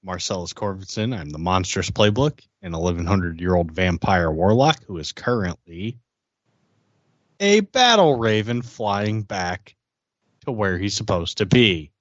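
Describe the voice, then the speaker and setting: A man's voice: low-pitched, expressive, a little slow, no room sound, dull audio. A man playing a tabletop role-playing game, talking casually with blunt, joking remarks. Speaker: podcast player.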